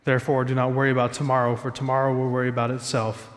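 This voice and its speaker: A man's voice: medium pitch, monotone, racing, long reverb tail. A man preaching a sermon as pastor, stuffy from a cold, talking in a conversational, self-joking way from a church stage.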